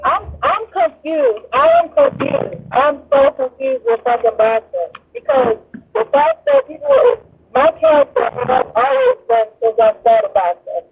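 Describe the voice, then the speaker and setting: A woman's voice: extremely high pitch, wildly swooping pitch, measured pace, vocal fry. A woman boxer calling in to a podcast chat. Her voice breaks up and distorts over a bad call line, and she talks heatedly, confused and swearing. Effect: glitchy, breaking-up distorted call audio. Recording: tinny distorted phone line.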